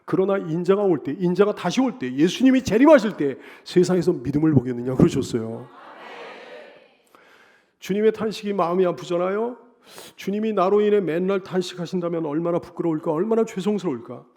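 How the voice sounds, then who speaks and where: High-voiced pastor preaching emphatically. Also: male voice. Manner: emphatic repetition and rhetorical questions; swells louder on key phrases, drops low on others. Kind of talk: Sunday sermon.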